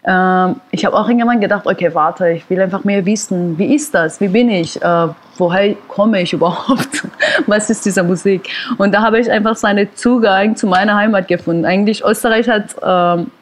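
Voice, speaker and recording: A woman speaks in a relaxed conversational interview. She is reflective and often pauses to find the right word. Her voice sits at an ordinary middle pitch. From Iran. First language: Persian. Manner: reflective, searching for words, laughs often. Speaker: guest musician.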